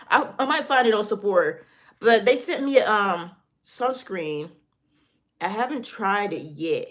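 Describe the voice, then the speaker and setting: Young woman rambling about sunscreen, casual and chatty, mid pitch, laughs at herself. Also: fairly bright tone. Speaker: beauty vlogger. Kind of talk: casual product review.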